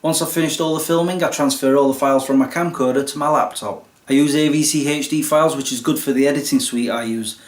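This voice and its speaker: Talking fast with few pauses, this young YouTuber explains in a casual, self-mocking way how he shoots and edits his content, one step at a time. His voice is medium-pitched and steady, and the room gives the audio a roomy echo.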